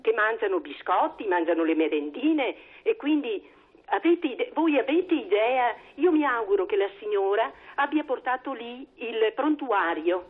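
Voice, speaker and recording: A woman in her sixties from Veneto, calling in over the phone to a talk show, indignant and halting with many fillers. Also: on the high side, animated, slightly rough. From Veneto, Italy. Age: 60s. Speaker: caller. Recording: tinny phone line.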